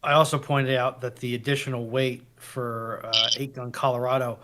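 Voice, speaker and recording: A man's voice: mid-range voice, little pitch movement, normal speed. A man on a panel talking through technical naval history in detail, thinking aloud as he goes. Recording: clear background noise.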